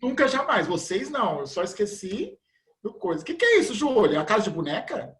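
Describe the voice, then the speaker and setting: A man's voice: sits high, huge pitch swings, brisk, fairly bright tone. Playful male teacher on a video call. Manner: playful, jokey, greets everyone by name. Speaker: biology teacher. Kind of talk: casual online class chat.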